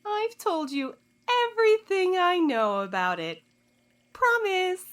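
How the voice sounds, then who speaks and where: An actress voices a smug woman who holds secrets and enjoys it. Her voice sits high and swoops widely in pitch. She teases and condescends with a theatrical drawl, coolly taunting those who question her, in the manner of audio drama. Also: big pitch swings, slow pace, heavily acted. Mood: coy, condescending.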